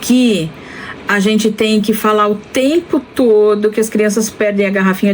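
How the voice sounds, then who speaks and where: A woman speaks with fairly even intonation. Noticeable background noise sits behind her. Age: 50s. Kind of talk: casual talk to camera. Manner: slow.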